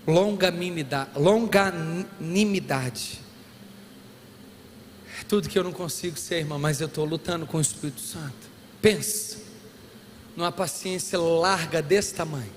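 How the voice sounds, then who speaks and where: A man preaching a sermon as a pastor, animated and humorous, acting out bits of dialogue. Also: fairly high pitch, brisk. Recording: long hall reverb, faint room noise.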